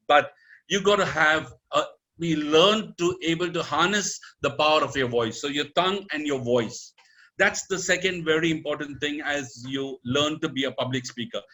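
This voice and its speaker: A man's voice: bright, forceful tone, poor audio. A man in his fifties with an Indian English accent, giving an emphatic motivational talk on public speaking and mixing in Hindi words. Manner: emphatic, swings voice high and low, sprinkles Hindi words.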